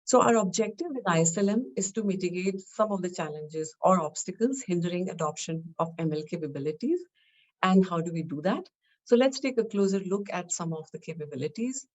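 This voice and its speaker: A woman giving a scripted technical product presentation, explaining in measured, short phrases. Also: lowish voice, animated, a little mellow.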